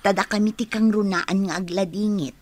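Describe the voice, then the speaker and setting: An actress playing a cheerful friend who teases and laughs in a family drama. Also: female voice, medium pitch, fairly even intonation, moderate pace, close to an everyday voice. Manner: teasing, laughing. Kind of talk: Ilocano radio drama acting.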